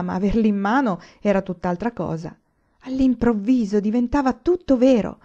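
A woman reading a story aloud in a calm, even narration. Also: mid-range voice, dull audio. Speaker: audiobook narrator.

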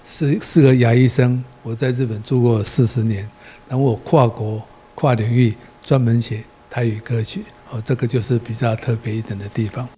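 A man's voice: medium pitch, fairly even intonation, normal speed, dark tone, breathy edge. A Taiwanese-accented man in his sixties speaking Mandarin casually as an interviewed guest. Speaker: songwriter and dentist, guest lecturer. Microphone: handheld reporter microphone.

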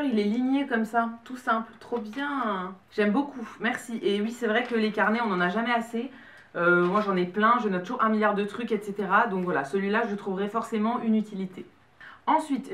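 A young French woman in her twenties chatting excitedly as she unboxes a gift parcel for her vlog. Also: medium pitch, recorded from a distance. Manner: chatty and excitable, quick bursts of delight. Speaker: beauty vlogger. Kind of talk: casual unboxing chat. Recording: roomy sound from away from the mic.

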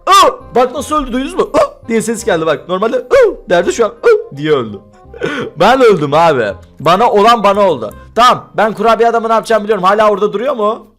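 A young man hosting a gaming video, giving excited commentary with frequent laughter while calling out to his friends. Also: high voice, fast talker, faint music behind.

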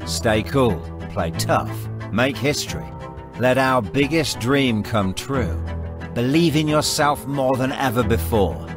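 An actor playing a determined, encouraging cricket team coach in a video game, speaking in emphatic, rehearsed lines. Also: male voice, mid-range voice, slow pace, lightly acted. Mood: rousing. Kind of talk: scripted motivational speech and press answers. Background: music.

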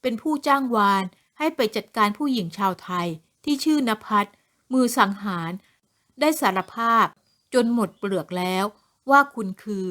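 A woman reading an audiobook voices a stern senior police officer in a man's role. He speaks firmly and evenly, slow and measured, with an official tone and a slightly raised pitch. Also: animated, a bit bright. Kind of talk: audiobook character voice.

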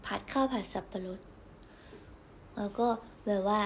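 A young woman hosting a casual livestream from home, telling stories in a chatty, giggly, animated way. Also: mid-range voice, measured pace, slight background noise. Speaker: idol livestream host.

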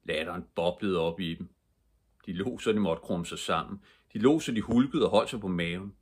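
An older man reading a children's book aloud as a bedtime story, in a calm, even storytelling manner. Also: sits low, slightly rough. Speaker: storybook reader.

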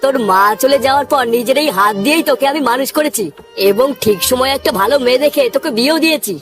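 A woman's voice: high voice, fast, soft background music. A woman voicing a stern old village father. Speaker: cartoon character.

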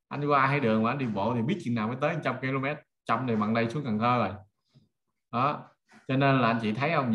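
The audio is dull, but the voice is a mid-range, somewhat bright one: a middle-aged Southern Vietnamese-accented man training people in online marketing on a video call. He keeps it conversational, drawing on everyday examples and frequently posing rhetorical questions to make sure listeners follow.

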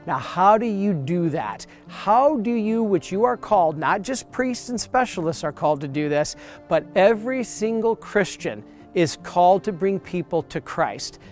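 A priest in his forties speaks straight to the camera outdoors on church steps, earnest and emphatic in a slightly high man's voice. His words come through a clip mic with faint music underneath. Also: animated, normal speed. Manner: earnest, emphatic preaching with hand gestures. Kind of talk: promotional sermon to camera.

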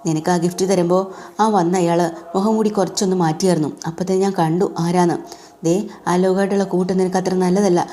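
A woman's voice: lowish voice, steady tone, fairly quick, close to an everyday voice. A woman doing a stern, scolding mother. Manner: sharp, accusing questions. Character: stern suspicious middle-aged mother scolding her daughter.

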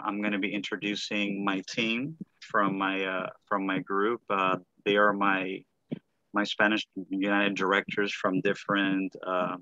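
A man hosting an online group podcast, talking in a halting way with lots of fillers and restarts. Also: fairly low pitch, pushed and bright, no echo, lo-fi sound. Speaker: podcast host and founder. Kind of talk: casual online group call.

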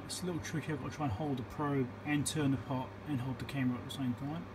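Matter-of-fact man over loud background noise. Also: medium pitch, fairly even intonation, fast. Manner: matter-of-fact, talking through each step while working. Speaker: electronics repairer and video host. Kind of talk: casual hands-on repair demonstration. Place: indoor electronics workbench. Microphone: handheld camera or phone microphone. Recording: loud hiss and background noise, handheld camera.

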